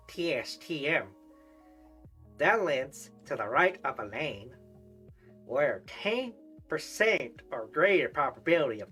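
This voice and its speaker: A woman reading weather definitions aloud on a livestream, halting and correcting herself as she goes. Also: a bass voice, a bit bright. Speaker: streamer practicing reading.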